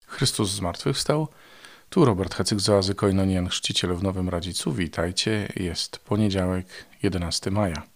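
A man, a Baptist preacher, hosting a morning devotional and reading scripture aloud in a calm, measured way. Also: sits low.

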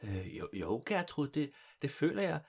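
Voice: mid-range voice, sing-song, darkish tone, husky. A storyteller doing a stammering, timid young boy. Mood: nervous. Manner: stammering, hesitant. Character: timid ten-year-old boy, anxious and meek.

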